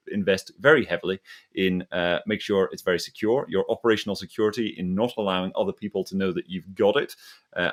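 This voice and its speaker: A man hosting a casual panel discussion, speaking in a hesitant, rambling way. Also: low voice. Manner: hesitant, halting, rambling delivery. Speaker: host of an investment discussion.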